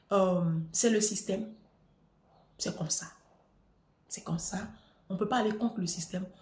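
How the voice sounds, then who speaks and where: A middle-aged woman speaking in a somewhat high voice, telling a story with emphatic repetition and swinging between calm advice and near-shouting. The sound has the echo of a bare, roomy space. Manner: emphatic, repeats phrases, rising to near-shouting at peaks. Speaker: vlogger answering a viewer.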